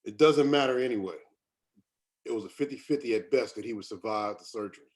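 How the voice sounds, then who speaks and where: A man's voice: medium pitch, fast, natural voice. A man playing a weary, defensive company doctor, bitter and resigned, in a screenplay table read. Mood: guilty, weary.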